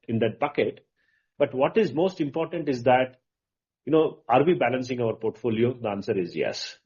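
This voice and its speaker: A man answers as a company executive on an earnings call, halting yet emphatic, posing questions and answering them himself. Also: medium pitch, a little mellow. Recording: muffled, dull conference call audio.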